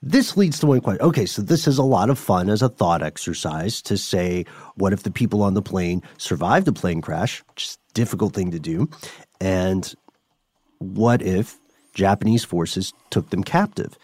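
Low-voiced male podcast host. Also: lively intonation, normal speed, a little mellow, slightly rough, no room sound. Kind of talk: conversational podcast talk and ad reads.

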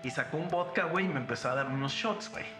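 In a roomy room with background music, a young podcast host speaks quickly in a slightly high voice with a Mexican Spanish accent. His casual chat is full of crude slang, and he acts out the quotes in his stories.

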